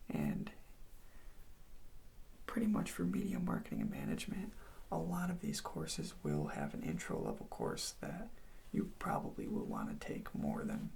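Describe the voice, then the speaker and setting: An ASMR performer whispering gently and without hurry, reassuring the listener in the role of a college advisor, with a breathy, creaky voice. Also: a bass voice, wildly swooping pitch, moderate pace.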